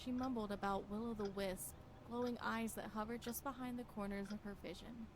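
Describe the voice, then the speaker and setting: A woman playing a grave character in a horror game, reading sinister letters and diary entries aloud in a measured, formal, dramatic way. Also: mid-range voice, fairly even intonation, background noise, lightly acted. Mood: brooding, sinister. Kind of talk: scripted horror game narration.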